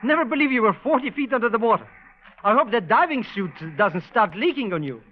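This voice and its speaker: An actor playing a timid, comic sidekick, flustered and exclamatory in old radio style. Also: male voice, very high voice, lively intonation, quick pace. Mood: chatty, surprised. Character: excitable, timid foreign sidekick, comic and scheming. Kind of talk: 1940s radio acting. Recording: dull, noisy old-time radio recording.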